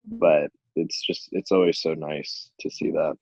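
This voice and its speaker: A man's voice: very deep voice, flat delivery, gravelly, darkish tone, husky, no room sound, dull audio. A man co-hosting a podcast, agreeing and chiming in during casual chat. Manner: agreeable, quick to chime in. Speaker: podcast co-host.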